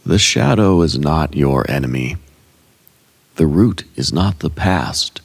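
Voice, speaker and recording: Male narrator for esoteric ASMR meditation; heavy vocal fry, husky breathy tone, solemn, measured and hushed delivery. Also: rumbling low, animated. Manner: solemn, hushed, deliberate, with short measured phrases. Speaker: host and narrator of a meditative radio show. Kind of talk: ASMR guided meditation, slow dreamlike scripted narration.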